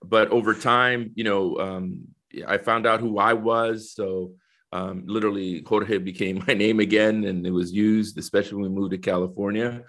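Earnest middle-aged man, low voice. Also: steady tone, moderate pace, fairly bright tone. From El Salvador. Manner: earnest, explains step by step. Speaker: guest, corporate diversity executive. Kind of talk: conversational interview.

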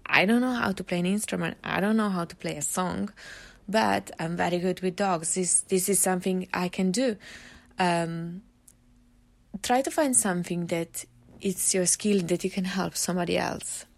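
A woman's voice: fairly low pitch, steady tone, a little slow, creaky. A woman with an Italian accent hosting a solo podcast, giving earnest, encouraging advice with frequent fillers and restarts. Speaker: podcast host.

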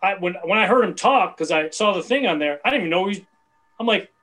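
A man's voice: high-pitched, lively intonation, quick pace, fairly bright tone. A man in his fifties, a guest on a sports talk show, talking bluntly and boastfully in heated casual chat. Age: 50s.

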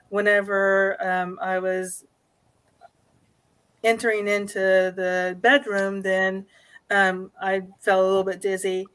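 A woman talking through her paranormal investigation experiences at a medium pitch. She hesitates often, filling gaps with "um" as she goes. Her voice comes over a remote call. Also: fairly bright tone, clean tone. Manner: hesitant, many fillers. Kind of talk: casual podcast conversation.

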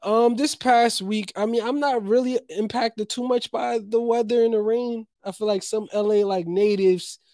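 A young man from New Jersey co-hosting a casual podcast, talking in a lively, rambling, slangy way about his week and his writing. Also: high-pitched, moderate pace, few pauses, no room sound, studio quality. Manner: animated, rambling storyteller, slangy. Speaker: podcast co-host, playwright. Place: Los Angeles.

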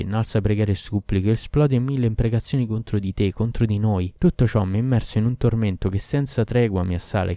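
A man's voice: fairly low pitch, warm tone, no echo, studio quality, natural voice. A man voicing a king who poses as a sick lover, grumbling and scolding.

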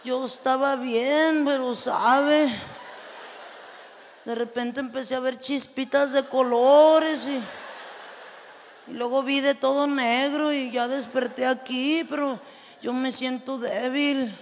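A woman's voice: high-pitched, steady tone, long reverb tail, a little hiss or hum. Woman mimicking a whiny, feeble husband. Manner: slow, drawn-out, whiny. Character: weak, self-pitying husband just after fainting.

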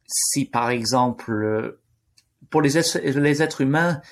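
A man with a foreign accent, not a native French speaker, explaining unscripted in an interview, haltingly, often searching for words and rephrasing. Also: medium pitch. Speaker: interview guest, AI risk expert.

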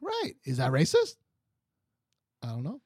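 A man chats as co-host of a podcast, joking and laughing as he goes. His pitch swings widely and his voice stays lively. The sound is close and dry, with no room around it. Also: unhurried, breathy edge, no echo. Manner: animated, jokey, laughs often. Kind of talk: casual chat. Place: Seoul, South Korea.

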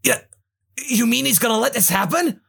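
An earnest young fighter pleads in a high, strained voice, as a man puts him on. His pitch jumps around and sounds a bit husky, in a fan storybook reading. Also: lively intonation, moderate pace, bright, forceful tone, heavily acted. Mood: horrified.

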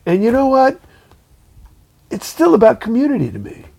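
Gravelly-voiced man in casual chat. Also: extremely high pitch, wildly swooping pitch, moderate pace, warm tone. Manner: rambling, restarts often, many "you know"s. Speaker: podcast co-host, working musician.

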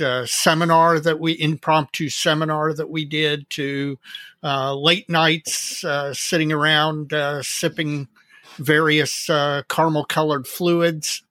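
Bright-voiced earnest male co-host. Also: fairly high pitch, dry recording, clean studio sound. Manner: earnest and friendly, rambling with fillers. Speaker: podcast co-host. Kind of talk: casual podcast chat.

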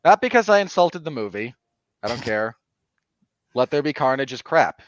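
Clear-voiced man, wordy podcast film reviewer. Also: mid-range voice, sing-song, no echo. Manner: wordy, deliberate, mock-formal. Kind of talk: casual commentary.

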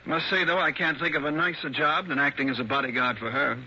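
A bright, chummy insurance boss. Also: male voice, on the high side, steady tone, fast. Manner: chummy, knowing, leering asides. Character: jovial, leering male insurance executive. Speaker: insurance company man. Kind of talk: 1960s radio drama acting. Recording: dull old radio broadcast with faint hiss.

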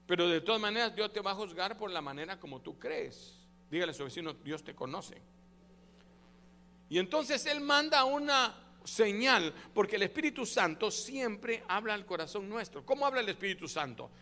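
High-voiced, bright-toned preaching pastor. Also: male voice, animated, moderate pace, in a large hall. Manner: preaching with call-and-response prompts to the congregation; emphatic, swinging between loud and soft. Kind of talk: sermon.

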